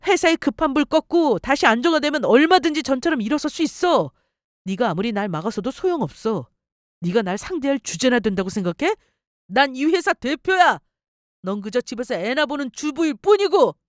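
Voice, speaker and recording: A woman's voice: a little high, no echo, studio quality, natural voice. A woman voicing a sneering arrogant husband. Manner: sneering, boastful, contemptuous. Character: arrogant cheating husband, company head, man. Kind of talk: story radio role-play.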